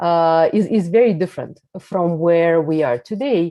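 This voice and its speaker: A woman with a Russian accent speaks in a dark, mellow tone at a fairly low pitch, her intonation lively, over a quiet background. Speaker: computer science professor. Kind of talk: panel discussion. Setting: video call.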